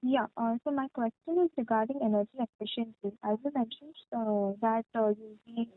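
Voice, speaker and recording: Faint woman caller over the phone. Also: on the high side. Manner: hesitant, many filler pauses. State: voice faint and feeble on the line. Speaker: caller asking questions on an earnings call. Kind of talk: formal question on a conference call. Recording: tinny dry phone line.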